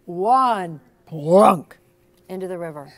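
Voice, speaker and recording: A woman with a lowish, expressive voice reads aloud slowly to a class of young children. A storyteller and author, she makes the reading interactive, encouraging the kids like a teacher and stressing words theatrically.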